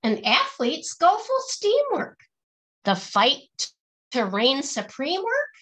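A woman's voice: high-pitched, huge pitch swings, slow pace, fairly bright tone. A middle-aged woman reading a picture book aloud to children in a singsong, teacherly way, stressing the rhymes and asking questions.

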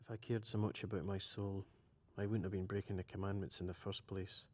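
An actor playing a vain, haughty gentleman thief in a radio play, wry and mocking. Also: deep voice, little pitch movement, fairly quick. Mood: mock solemn. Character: vain, defiant gentleman thief awaiting execution.

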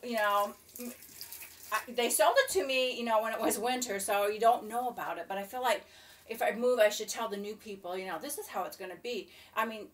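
A woman's voice: on the high side, brisk. Chatty woman venting from her kitchen. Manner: rambling, chatty complaining. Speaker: vlogger. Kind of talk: casual chat to camera. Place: home kitchen, indoors. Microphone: laptop webcam from a few feet away. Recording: distant laptop mic, faint room noise.

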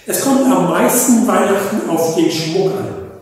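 A man's voice: sits high, lively intonation, measured pace, darkish tone. An older man voicing a jewelry-mad magpie. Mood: covetous. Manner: greedy, wishful. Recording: echoey church hall from far off.

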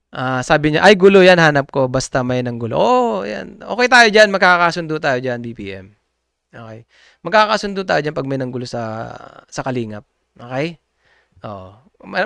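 A man's voice: high voice, vocal fry, bright, forceful tone, no echo, clean studio sound. A man speaking casually and politely to viewers, rambling with many hesitations and fillers, often laughing. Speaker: community group member addressing viewers. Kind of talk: casual unscripted monologue.

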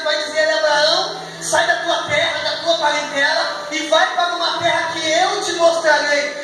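A middle-aged man with a Brazilian accent, preaching a sermon as a missionary in a small church. He speaks into a handheld mic with fervent delivery. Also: very high-pitched. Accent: Brazilian Portuguese. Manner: fervent preaching, rising to shouts at climaxes. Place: small church hall with a band stage. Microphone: handheld mic, filmed from the back of the room. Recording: echoey room from far off with loud noise.

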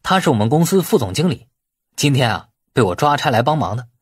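A man's voice: mid-range voice, sing-song, fast talker, husky, no room sound, studio quality. A man reading the part of a courteous, glib young businessman in an audiobook. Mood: smooth, probing.

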